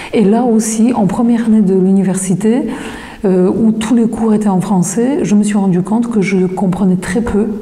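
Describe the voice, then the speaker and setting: A woman with a Polish accent, medium pitch, monotone, flat intonation and a moderate pace, amid noticeable background noise and audible room echo. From Poland. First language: Polish (speaking French). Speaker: university lecturer. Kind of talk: interview. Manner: hesitant, many fillers.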